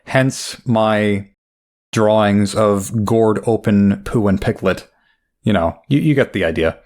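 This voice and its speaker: A man's voice: fairly low pitch, takes it slowly, darkish tone. A young man giving rambling, wry, self-deprecating commentary while playing a game. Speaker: gameplay commentator. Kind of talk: casual let's play commentary.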